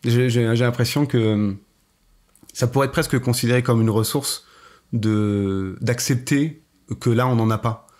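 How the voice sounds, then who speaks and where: A man's voice: medium pitch, measured pace, darkish tone. A man hosting a podcast, asking questions in a friendly, informal way with many fillers. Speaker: podcast host. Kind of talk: casual interview.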